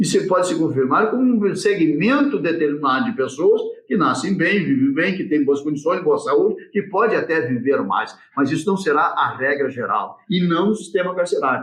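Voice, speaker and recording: High in pitch, a man talks at a moderate pace with lively intonation. His loudness is very even and he leaves hardly any pauses. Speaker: law professor. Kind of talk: webinar panel discussion.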